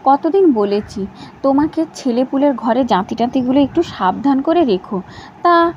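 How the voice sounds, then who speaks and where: Woman voicing a quick-tongued young wife. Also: high voice. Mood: pert. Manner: pert, lively retorts. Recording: slightly dull with faint hiss.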